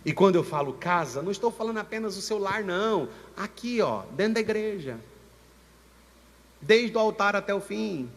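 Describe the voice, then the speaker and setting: A Brazilian man with a Brazilian Portuguese accent, preaching a sermon as pastor at a church service with impassioned, slow, emphatic repetition. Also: high voice, expressive. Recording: church reverb with long echo tail.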